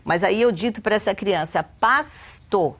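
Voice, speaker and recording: A woman's voice: lowish voice, animated, moderate pace. A Brazilian woman educator with a Brazilian Portuguese accent, explaining a teaching method patiently and often checking in with her listener. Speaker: guest educator. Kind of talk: explanatory interview talk.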